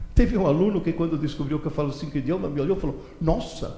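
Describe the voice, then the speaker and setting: A man speaks very fast in a fairly high voice. Noticeable background noise and audible room echo surround him. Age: 70s. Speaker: teacher and lecturer. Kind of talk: lecture. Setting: stage with audience. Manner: animated.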